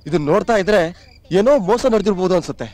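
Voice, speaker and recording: An actor playing a loyal, earnest son-in-law who calms and pleads for the family. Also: male voice, high-pitched, very fast, natural voice. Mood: reassuring. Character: loyal young son-in-law, calm and reassuring.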